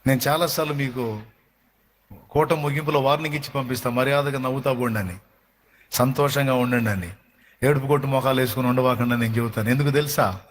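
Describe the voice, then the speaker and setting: A male pastor preaching a sermon with emphatic rhetorical questions to his congregation. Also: medium pitch. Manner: briefly sings hymn lines slowly. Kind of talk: Telugu sermon.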